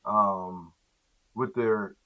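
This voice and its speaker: A man's voice: on the low side, steady tone, extremely slow, phone-quality sound. A man hosting a casual sports chat, teasing his guest with questions and repeating himself for emphasis. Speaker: talk show host interviewing a guest.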